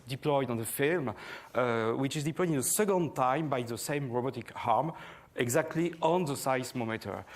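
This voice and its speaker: French-accented male engineer, non-native English speaker, hesitant science briefing delivery. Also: medium pitch. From France. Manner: hesitant, many fillers. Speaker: project manager of a space instrument.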